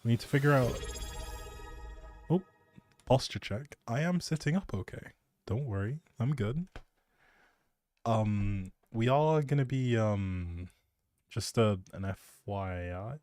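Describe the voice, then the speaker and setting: A man's voice: medium pitch, animated, slow, long pauses, a little mellow. A man chatting casually as a live streamer, playful and teasing as he thinks aloud while commenting on a game.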